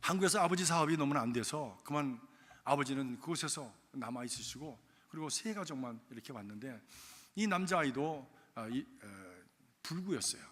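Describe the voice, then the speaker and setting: A man pastor telling a story in a sermon, with emotive swings in loudness. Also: medium pitch, animated, moderate pace, in a large hall. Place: church sanctuary.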